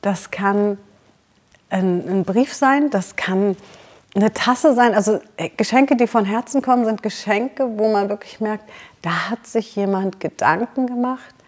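A woman from Germany hosts a self-help podcast, coaching the listener directly. Her delivery is encouraging and personal, with plenty of casual asides. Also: mid-range voice. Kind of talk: motivational podcast talk.

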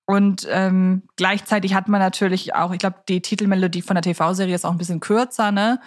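A woman's voice: mid-range voice, little pitch movement, a little fast. A woman speaks as a podcast co-host in a conversational style. She builds long, somewhat formal sentences and hesitates as she works through them. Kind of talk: casual conversational podcast talk.

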